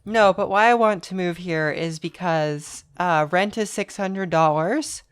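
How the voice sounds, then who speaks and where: A woman's voice: lowish voice, a little slow, smooth. A woman co-hosting a podcast in casual chat, wry and rambling, often restarting her sentences. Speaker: podcast co-host.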